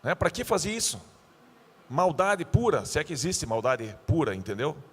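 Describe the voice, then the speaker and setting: A male pastor giving a youth sermon, animated and joking, acting out the scenes he tells. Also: fairly high pitch, normal speed, long reverb tail, a little hiss or hum.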